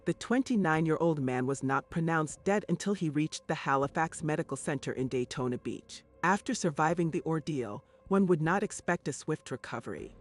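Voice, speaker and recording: A male documentary narrator with a voice pitched a little high for a man. He reads scripted true crime narration over a light music bed.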